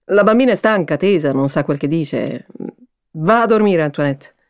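A woman reading aloud and voicing a calm father who gently tries to settle a family quarrel. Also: low voice, normal speed. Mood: soothing. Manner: soothing, mild. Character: calm placating middle-aged father. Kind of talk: audiobook character reading.

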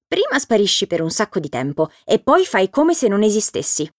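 A woman's voice: mid-range voice, sing-song, normal speed, no room sound, studio quality, close to an everyday voice. A woman voicing a young male woodpecker who is proud and easily offended, speaking in a teasing, indignant way.

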